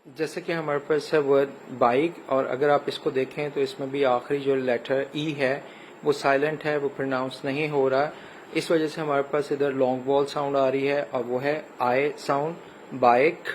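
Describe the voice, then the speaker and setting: A man with a Pakistani accent teaching an English lesson, spelling words letter by letter and pausing with frequent hesitations. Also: mid-range voice, little pitch movement, a little hiss or hum, poor audio. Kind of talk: recorded classroom lecture.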